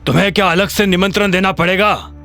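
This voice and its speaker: A man's voice: sits high, quick pace, fairly bright tone, soft background music. A man voicing a domineering older patriarch with a heavy voice, curt and commanding. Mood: contemptuous.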